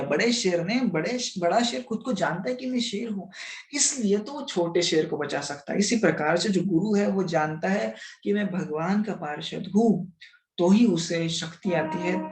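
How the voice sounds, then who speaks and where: Brief: spiritual speaker, mid-pitched, conversational parable-telling, roomy echo. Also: darkish tone, slight background noise. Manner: conversational, often asks "right?", mixes in English. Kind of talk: spiritual discourse with storytelling.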